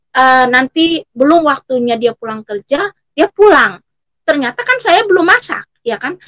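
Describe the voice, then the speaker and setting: Giving her personal testimony as a guest, a middle-aged woman from Riau, Indonesia, repeats phrases over and over as her story unfolds. She has a high, somewhat bright voice, captured in a dry recording.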